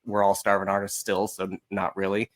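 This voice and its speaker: Dude w a lowish voice, casual podcast guest, self-deprecating storyteller. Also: male voice, monotone, a little fast. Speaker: podcast guest, musical writer. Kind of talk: casual interview chat.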